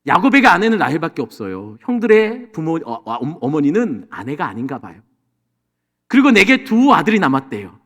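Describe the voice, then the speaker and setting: A man delivers a Sunday sermon as senior pastor. He keeps asking his listeners rhetorical questions. His fairly high voice rises and falls in wide, lively swings, and a long church-hall reverb trails every phrase. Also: normal speed. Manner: animated, asks the congregation rhetorical questions. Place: church sanctuary.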